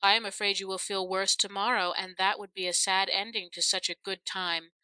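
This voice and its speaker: A woman reading aloud, voicing a tender, anxious mother who speaks softly to a sick child. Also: medium pitch, level tone, a little fast, smooth, dry recording, lightly acted, low-quality recording. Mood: tender, soothing. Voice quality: soft, gentle.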